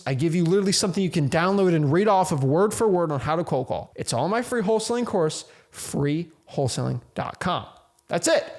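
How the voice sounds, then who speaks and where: A young man with a notably high voice gives an energetic motivational talk to camera. His speech is casual and slangy, with frequent repeats and restarts as he coaches real estate wholesalers.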